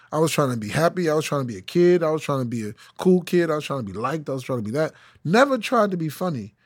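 Very fast and at a fairly high pitch, a man with a New York accent talks with very wide pitch swings in a very clean recording with a silent background. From Brooklyn, New York. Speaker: comedian. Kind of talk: casual chat. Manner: halting.

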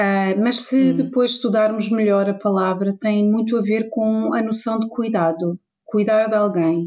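A woman speaks at a fairly slow pace in a dark, mellow tone, her intonation fairly even and her loudness very even. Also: fairly high pitch for a woman. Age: 40s. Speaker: pastor's wife and author. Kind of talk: podcast interview.

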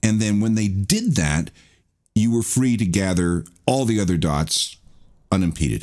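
With a Canadian accent, a man speaks at a moderate pace in a fairly low pitch, his tone dark and mellow, his pitch variation ordinary, his loudness very even, and his pauses long and frequent. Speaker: podcast co-host.

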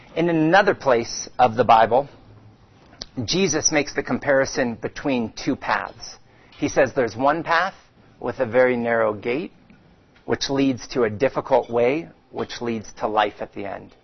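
An ordinary speaking voice: a man with an American accent, medium pitch, ordinary pitch variation and a moderate pace. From Arizona, US Southwest (Tucson). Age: 40s. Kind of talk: testimony talk to men's luncheon. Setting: luncheon talk to a room of men.

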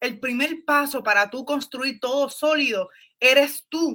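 A woman's raised, projected voice, high in pitch, with a bright, sharp tone and fairly even intonation. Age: 20s. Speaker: network marketing team leader. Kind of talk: motivational talk.

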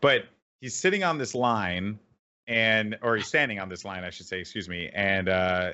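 An ordinary speaking voice with ordinary pitch variation. It keeps a moderate pace. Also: man. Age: 30s. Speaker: esports host and commentator. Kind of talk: casual chat.

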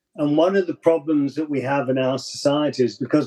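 The recording has a dry, close sound with no echo. A man with a fairly high pitch and a dark, mellow tone speaks at a moderate pace. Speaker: psychotherapist, podcast co-host. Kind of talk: casual chat.

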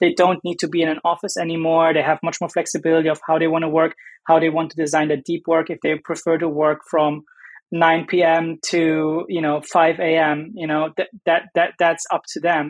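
In a German accent, a man speaks at a fairly high pitch with monotone, flat intonation. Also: moderate pace. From Germany. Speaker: startup founder. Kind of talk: panel discussion.

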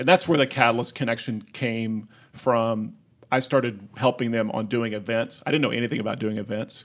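A man's plain, everyday voice with an American accent, medium pitch and fairly even intonation, at a fairly quick pace on a very clean recording with a silent background. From Oklahoma. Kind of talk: casual interview. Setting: studio.

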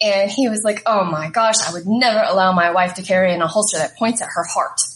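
This woman has an American accent and a medium pitch. Her voice is somewhat breathy, with ordinary pitch variation. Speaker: holster company owner. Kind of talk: casual interview.

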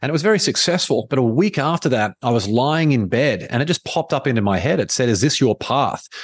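At a very fast pace, a man speaks over a quiet background. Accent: Australian. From Australia. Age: 40s. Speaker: entrepreneur and author. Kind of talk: interview.

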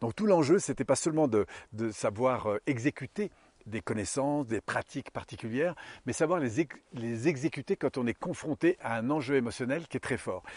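A man in a normal speaking voice talks at a moderate pace and medium pitch with lively intonation, the sound dry and close with no echo. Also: quiet background. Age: 50s. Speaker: personal development coach. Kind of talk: personal monologue.

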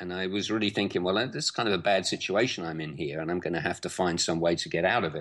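A man with an English accent speaks at a very deep, low pitch with ordinary pitch variation over a quiet background. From England. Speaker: sailor. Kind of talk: interview.

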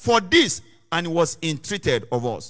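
Bright and sharp in tone, a man speaks in a raised, projected voice at a fairly slow pace, his pitch swinging very widely. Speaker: prayer leader. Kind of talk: fervent group prayer leading. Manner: fervent, commanding.

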